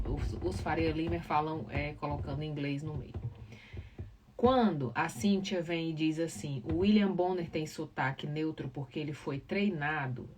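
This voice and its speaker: A woman's voice: low voice, a little mellow. A woman with a Northeastern Brazilian accent from Ceará, explaining things informally and didactically to live viewers, stressing key words. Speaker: live podcast host, communication professional. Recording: distant mic, clear background noise.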